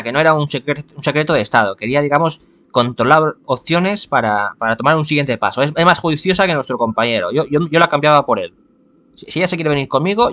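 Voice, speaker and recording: A man's voice: fairly high pitch, a bit bright. A man playing a visual novel, reading it aloud, correcting himself and adding joking asides. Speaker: gameplay narrator.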